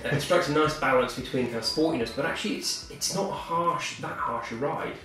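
A man's voice: medium pitch, fairly quick, a bit bright. A man with an English accent hosting a casual chat while gaming, reacting and chipping in as he goes. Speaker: host, interviewer. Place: living room, indoors. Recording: echoey room, distant mic, faint music.

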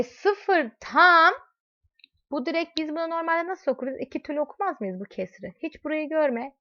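A woman teaching a math lesson, explaining with everyday examples and asking her students questions as she goes. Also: high-pitched. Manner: talks directly to students in second person. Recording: dull lo-fi recording.

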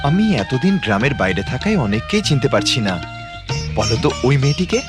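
A polite young medical student in a cartoon who reasons calmly with his father, voiced by a man. He speaks quickly, with a lively, raised pitch. Clear music plays under him. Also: lightly acted. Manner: calm, reasoning, respectful.

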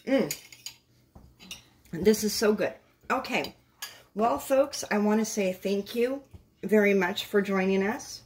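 A middle-aged woman hosting a casual home interview, relaxed and reflective, laughing often. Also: mid-range voice, takes it slowly, long pauses. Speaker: host.

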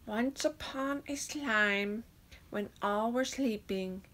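A woman voicing a small slug reading aloud in a soft, hushed, slow way. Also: a little high.

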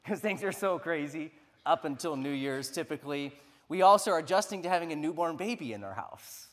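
A man's voice: on the high side, a bit bright. A man in his thirties, a lead pastor, speaking in a conversational, earnest way on a church stage before leading a prayer. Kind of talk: church announcements and introduction, then prayer. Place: church stage, large sanctuary. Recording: reverberant church sanctuary.

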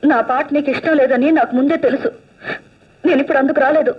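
A woman's voice: sits high, steady tone, fast, lightly acted. An actress playing an earnest, hurt young woman in a film drama. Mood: reproachful. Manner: earnest, wounded, soft-spoken. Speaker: young woman, the hero's niece. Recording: lo-fi film soundtrack with music behind.

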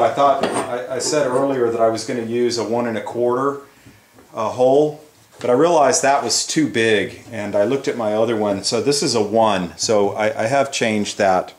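A man's voice: mid-range voice, normal speed. A man in his fifties giving a casual, folksy, hands-on woodworking demonstration in a rambling way. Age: 50s. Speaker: woodworking instructor, host. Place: indoor woodworking shop. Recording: echoey workshop with tool and rubbing noise.

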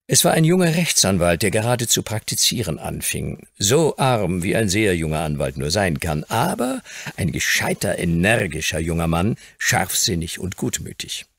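A man reading an audiobook as narrator, telling the story in an expressive, scripted manner. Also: sits low, vocal fry, no echo, studio quality.

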